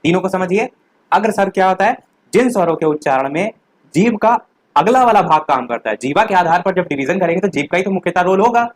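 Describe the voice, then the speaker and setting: A man's voice: high voice, expressive, fast, rough recording. A young man, giving an exam revision lecture and explaining step by step with rhetorical questions. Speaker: teacher.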